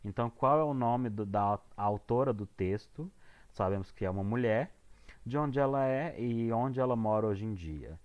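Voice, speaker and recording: A man's voice: mid-range voice, expressive, normal speed, highs cut off. A male English teacher with a Brazilian Portuguese accent, explaining homework to students in a casual, hesitant way with many fillers and restarts.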